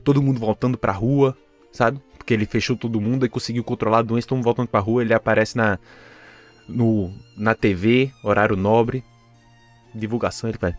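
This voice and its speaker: A man from Recife, co-hosting a podcast in a casual, animated, joking way. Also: fairly low pitch, brisk, soft background music. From Recife, Brazil. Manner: animated, joking, bursts into laughter. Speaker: podcast co-host.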